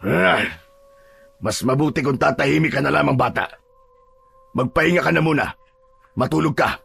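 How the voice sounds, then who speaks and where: A man voicing a calmly menacing aswang monster in a horror audio drama, with a deep, husky, gravelly voice and slow, controlling delivery. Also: exaggerated voice. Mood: firm, sinister. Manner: slow, measured, coaxing yet firm. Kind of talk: Filipino radio-style horror drama acting.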